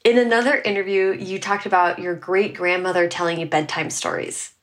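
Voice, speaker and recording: A woman's voice: fairly low pitch, steady tone, brisk, fairly bright tone. A woman hosting a podcast interview, asking questions enthusiastically and backing up her guest with frequent mm-hmms. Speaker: podcast host. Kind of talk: casual interview conversation.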